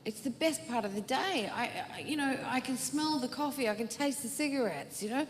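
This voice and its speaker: A woman whose voice sits high talks fairly quickly during a stand-up set, rambling through self-deprecating stories on a comedy venue stage. The live sound has long hall reverb, a touch of hiss or hum, and faint laughter from the crowd.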